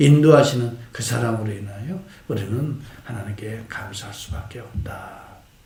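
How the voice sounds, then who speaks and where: Noticeable background noise and audible room echo surround a man of medium pitch who talks fairly slowly with ordinary pitch variation. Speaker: pastor. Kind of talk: sermon.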